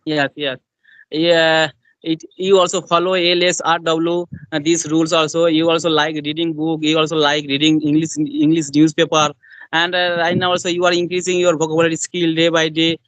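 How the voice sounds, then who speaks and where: Young indian guy, bengali accent, high-ish voice, lots of uh and repeats, dry sound. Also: flat delivery, moderate pace, a bit bright, no room sound, rough recording. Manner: repetitive, with many fillers. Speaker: interviewer in a practice conversation. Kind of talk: casual conversation practice.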